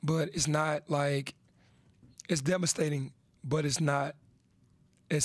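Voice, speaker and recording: A man speaks against a quiet background, the sound dry with no echo. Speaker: basketball head coach. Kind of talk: press conference answer. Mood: subdued, reflective after loss. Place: meeting room. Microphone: podium.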